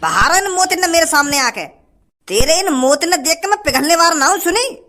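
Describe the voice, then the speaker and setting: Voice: very high voice, expressive, a little fast, pushed and bright, exaggerated voice. A performer voicing a stingy, rude male shopkeeper with a Haryanvi accent, scolding and scornful. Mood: threatening. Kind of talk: comedy skit voicing.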